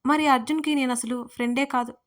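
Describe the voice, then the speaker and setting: A woman's voice: high-pitched, steady tone, fast talker, close to an everyday voice. A woman voicing a young woman in an audio story, hurt, jealous and weepy, pleading through sniffles. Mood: tearful.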